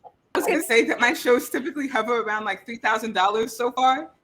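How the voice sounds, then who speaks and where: A young man chatting casually as a panelist, in a halting, informal, self-effacing way. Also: very high-pitched, noisy background. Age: young adult. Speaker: audio drama creator on a panel. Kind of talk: casual chat.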